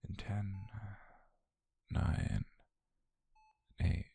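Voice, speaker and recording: A British man playing a detached, clinical scientist in a whispered ASMR roleplay, measured and softly controlling, murmuring notes on a captive subject. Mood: hushed, controlling. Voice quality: breathy, gravelly low murmur.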